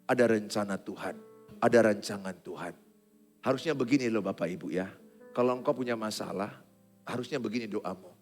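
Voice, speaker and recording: A male pastor preaching a sermon, moving from joking banter to soft, tearful pleading. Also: fairly low pitch, brisk. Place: church sanctuary. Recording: long reverb of a church hall. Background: faint guitar playing.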